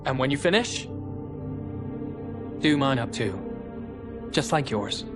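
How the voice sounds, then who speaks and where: Earnest young cadet over music. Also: male voice, mid-range voice, expressive, takes it slowly. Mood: fond. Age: young adult. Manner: encouraging, earnest. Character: earnest, supportive young male mech cadet, steady leader. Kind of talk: video game cutscene acting.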